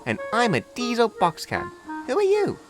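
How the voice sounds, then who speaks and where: A man doing a high, eager little diesel engine. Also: moderate pace, exaggerated voice. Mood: cheerful. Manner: excitable, sheepish stammering. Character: eager naive young male diesel engine. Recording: music playing behind.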